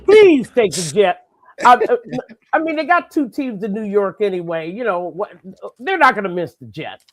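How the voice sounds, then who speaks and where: Lively opinionated woman talking football. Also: medium pitch, normal speed. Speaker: segment guest commentator. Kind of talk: casual sports chat.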